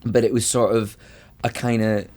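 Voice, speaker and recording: A man's voice: lowish voice, flat delivery, moderate pace, darkish tone. A Scottish man in his thirties co-hosting a podcast, telling stories in a playful, self-mocking way. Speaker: podcast co-host. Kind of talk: casual chat.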